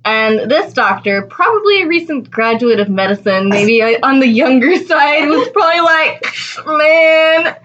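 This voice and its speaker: A young woman co-hosting a casual podcast chat, giggly and animated as she tells stories close to the mic. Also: on the high side, normal speed, few pauses. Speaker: podcast co-host. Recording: dull, slightly noisy podcast recording.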